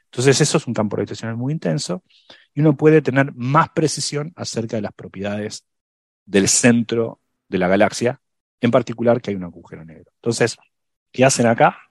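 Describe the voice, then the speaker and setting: A man's voice: mid-range voice, moderate pace, creaky, no echo, clean studio sound. A man on a science podcast, explaining black holes in casual chat, thinking aloud with fillers and restarts.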